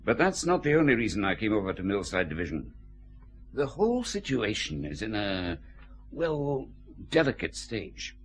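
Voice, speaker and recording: An actor playing a curt, anxious senior police superintendent in a radio drama, with a Scottish accent. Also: male voice, fairly low pitch, huge pitch swings, moderate pace.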